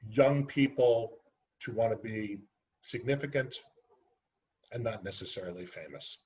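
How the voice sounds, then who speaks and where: Slow, earnest man with a lo-fi sound. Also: fairly low pitch, a little mellow. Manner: unhurried, earnest, with frequent ums and uhs. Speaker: children's book author giving a talk. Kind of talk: library author presentation.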